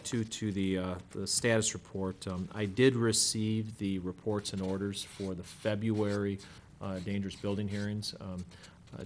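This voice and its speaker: A man's voice: sits low, slight background noise. A man speaking as city attorney at a council meeting, formal and filled with uhs.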